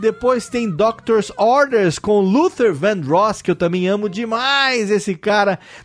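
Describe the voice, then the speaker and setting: Music plays in the background as a man speaks at a very slow pace in a high pitch. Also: ordinary pitch variation, hardly any pauses. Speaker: podcast host. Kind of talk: scripted narration.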